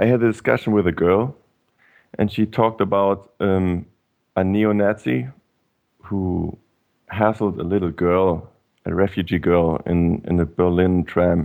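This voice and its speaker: With a German accent, a man speaks at a fairly slow pace with long, frequent pauses. His very deep, low voice keeps very even loudness and ordinary pitch variation. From Germany. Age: 30s. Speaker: caller. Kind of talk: call-in conversation.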